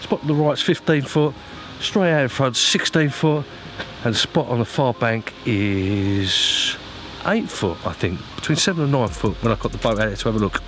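A man's voice: mid-range voice, lively intonation, moderate pace, fairly bright tone, faint music behind. A man chatting casually to viewers as an angler presenting a vlog, informal and matey, giving practical advice.

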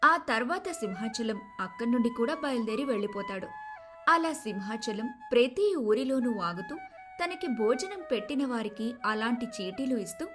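High-pitched, lively woman storyteller. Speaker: story narrator. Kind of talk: scripted moral-story narration.

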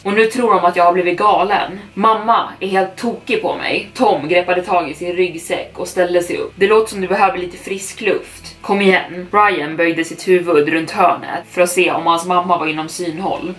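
A woman hosting a storytelling podcast, reading a horror story aloud in an even, measured way. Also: lowish voice, far from the mic. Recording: voice somewhat off-mic.

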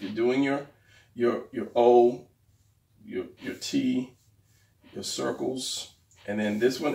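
A man with a gravelly, hoarse voice walks through a drawing lesson, often trailing off into mutters as his pen moves. He sits at a desk, picked up by a mic set some way back, so the voice sounds a little distant. The room adds a noticeable echo. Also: mid-range voice, a little mellow. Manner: talks while drawing, trailing off and muttering to himself. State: losing his voice. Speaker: art instructor. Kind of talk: drawing tutorial while sketching. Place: indoors at a desk. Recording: roomy, slightly distant mic.

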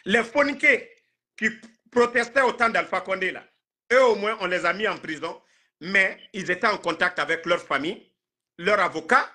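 A man's voice: high voice, moderate pace, sharp tone. A man in his thirties with a Guinean accent, talking politics on a live stream in an emphatic, indignant, repetitive way. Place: indoor room, video call.

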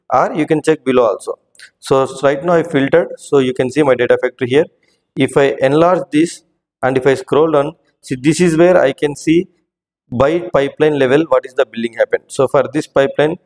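A man hosting a screen-recorded software tutorial, explaining step by step and often checking in with "right?". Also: medium pitch, long reverb tail, low-quality recording. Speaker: tutorial host. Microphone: voice-over on screen recording.

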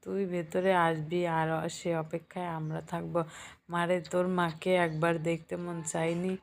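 A woman's voice: lowish voice, little pitch movement, normal speed, gravelly. A woman voicing a fussy middle-aged mother who grumbles and reproaches, in an audio story. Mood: reproachful.

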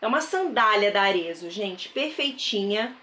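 A thrift vlogger in her thirties with a Brazilian Portuguese accent chats enthusiastically to viewers in a casual haul vlog, speaking at a moderate pace in a medium-pitched, animated voice with a bright, forceful tone. She's recorded indoors on a close camera mic in a bedroom with a wardrobe, and there's slight background noise.

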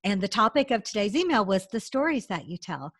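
A talkative, enthusiastic middle-aged woman from the southern United States hosts a video-call interview from a room in her home, using a webcam and fillers like "you know." Her medium-pitched voice is husky, fairly bright, and very animated, a little fast, with a dry, clean studio sound.

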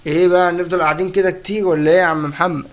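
A young man with an Egyptian accent giving excited, playful commentary while playing a game, teasing and laughing often. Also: high-pitched, rapid-fire, slight background noise. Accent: Egyptian Arabic. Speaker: gaming channel host.

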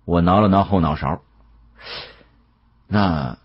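A man narrating an audiobook as a dramatic storyteller, with an expressive, conversational delivery. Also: low voice, slow pace, breathy edge, muffled recording.

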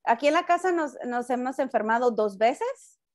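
Woman, Mexican accent, middle-aged, high voice, loud, casual chat, restarts often. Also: lively intonation, normal speed. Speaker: guest mother on a radio talk show.

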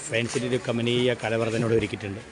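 A man's voice: medium pitch, little pitch movement, fast talker. A man with a Kerala accent gives casual, enthusiastic, repetitive walking vlog commentary, mixing English words into Malayalam. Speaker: vlogger. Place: crowded street market. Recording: busy outdoor market crowd noise.

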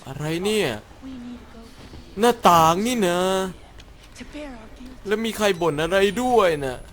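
A young man talks his way through a horror game, rambling and crude, joking to himself and putting on bravado between startled yelps. His voice is bright and fairly high for a man, and it swings widely in pitch. He speaks at an unhurried pace. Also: lively intonation. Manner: jokey, crude and rambling, mock-brave, yelps when startled. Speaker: gaming YouTuber. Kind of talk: horror game let's play commentary.

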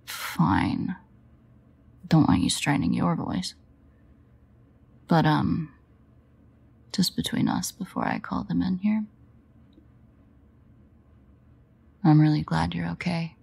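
Woman playing a low, husky, sardonic vampire. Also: sing-song, slow pace, long pauses, a little mellow, exaggerated voice. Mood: soft, relieved. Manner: wry, hesitant, sweary. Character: sardonic female vampire, guarded but fond, awkwardly confessional. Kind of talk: intimate audio roleplay monologue.

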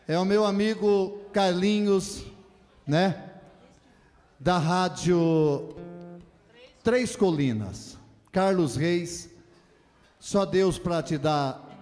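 A man's voice: a little high, a little mellow. A middle-aged Brazilian man, a country singer, giving a grateful, emphatic thank-you speech from a stage. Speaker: singer-guitarist in a country music duo. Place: stage at a country music event. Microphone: vocal microphone on a stand. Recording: reverberant stage PA sound.

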